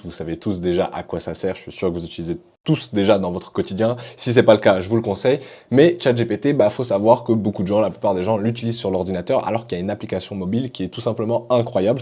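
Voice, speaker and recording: A man's voice: on the low side, mellow. A man presenting apps in a casual tutorial, talking with enthusiasm. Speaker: tech YouTuber. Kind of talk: app tutorial.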